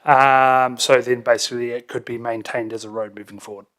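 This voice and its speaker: A man's voice: mid-range voice, fairly even intonation, a little fast, a bit bright. A man with a New Zealand accent, a council officer, answering councillors' questions in a plain explanatory way with some fillers.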